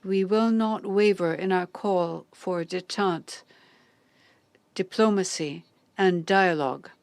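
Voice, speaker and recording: A woman simultaneously interpreting formal diplomatic speeches, measured and deliberate, pausing on hesitant fillers. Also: on the low side, creaky, a little mellow, no room sound. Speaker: conference interpreter.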